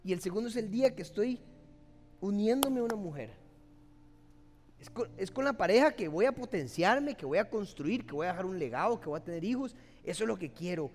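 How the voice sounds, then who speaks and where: A man's voice: high voice, animated, a little fast, a little mellow, slight background noise. A man with a Costa Rican accent preaching an impassioned, emotional sermon as a pastor. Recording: long hall reverb.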